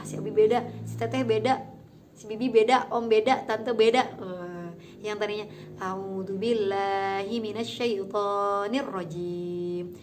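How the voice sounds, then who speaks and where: Young woman teacher, high voice, chats then chants verses slow, bit of hiss behind. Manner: explains in chatty asides, then chants verses slowly. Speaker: Quran recitation teacher. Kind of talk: teaching melodic Quran recitation.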